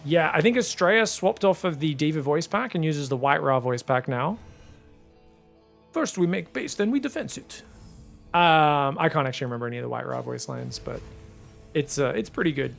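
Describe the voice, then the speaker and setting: High-pitched, creaky-voiced male esports commentator. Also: a little fast, soft background music. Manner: animated, informal, addresses viewers as guys. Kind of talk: casual live game commentary.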